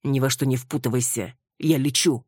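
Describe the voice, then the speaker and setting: A woman's voice: extremely low pitch, steady tone, moderate pace, a little mellow, husky, dry recording. Brief: laconic man, as a woman reader puts him on, short curt phrases, dry sound. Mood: terse. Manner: laconic, clipped. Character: terse, decisive man Ruslan.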